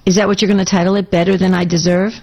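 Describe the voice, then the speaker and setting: A woman's voice: fairly low pitch, little pitch movement, racing, vocal fry, a little mellow, husky. A woman hosting a call-in radio show in a casual, enthusiastic and affirming way, her voice slightly scratchy.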